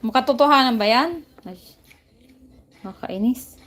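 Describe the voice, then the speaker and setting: A woman's voice: sits high, expressive, normal speed, fairly bright tone. A woman from the Philippines with a Filipino accent, chatting casually on her livestream and reading viewers' comments aloud. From Bicol, Philippines. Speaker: livestream vlogger.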